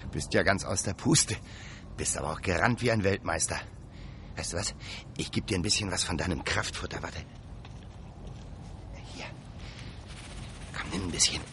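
An actor playing a kindly young man standing in for Santa, gently chatting to his reindeer and a boy. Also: low-pitched, normal speed, pauses often, slight background noise. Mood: gentle.

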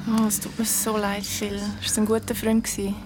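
A young woman with a Swiss German accent playing a caring, concerned friend in a radio play, asking gently. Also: medium pitch, monotone, a little fast, background noise, close to an everyday voice. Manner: worried, gentle questioning.

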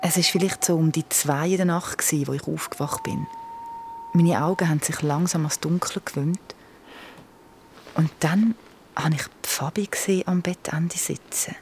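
A Swiss German woman recounts a spooky story, lively and dramatic, often whispering. Her voice sits rather low. Music plays behind her. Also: normal speed, slight background noise. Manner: lively, dramatic, drops to a whisper at tense moments.

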